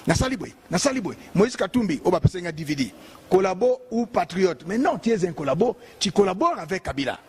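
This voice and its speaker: A man's voice: sits high, big pitch swings, a little fast, husky. A man with a Congolese accent, a bishop giving a heated, emphatic, repetitive political monologue.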